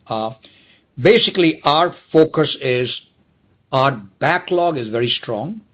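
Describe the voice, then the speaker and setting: A man's voice: fairly high pitch, animated, measured pace. A man speaking as a company executive, giving unscripted answers on a dull, slightly noisy conference call. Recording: dull call audio with clicks, typing noise.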